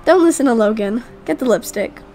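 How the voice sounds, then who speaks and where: Woman as a high-voiced, outspoken teenage girl. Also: expressive, a little fast, darkish tone, faint music behind. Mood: supportive. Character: outspoken, protective teenage girl, loyal best friend. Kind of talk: acted Roblox roleplay drama.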